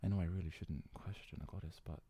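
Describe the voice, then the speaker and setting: Man voicing yandere fox-boy servant, ASMR roleplay, dark mellow tone, breathy and crackly, deferential, hesitant, obsessively devoted. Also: low-pitched, steady tone, fast talker, heavily acted. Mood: ashamed. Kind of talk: ASMR roleplay, intimate scripted monologue.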